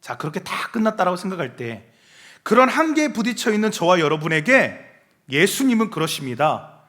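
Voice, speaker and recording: A man's voice: high-pitched, sing-song, fairly quick, a bit bright. A male junior pastor preaching a sermon, emphatic and often putting questions to the congregation.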